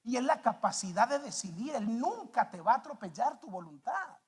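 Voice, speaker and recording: A man preaching a sermon as pastor, animated, acting out the voices of the people in his stories. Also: extremely high pitch, normal speed, husky.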